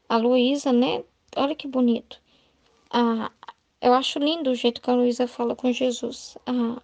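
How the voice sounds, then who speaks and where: A woman's voice: a little high, a little mellow, no room sound. A woman with a Brazilian accent leading a Catholic devotional study, explaining earnestly and often checking in with her listeners. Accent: Brazilian Portuguese. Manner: earnest, explanatory, frequent "né?" and "entendeu?". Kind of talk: devotional teaching talk.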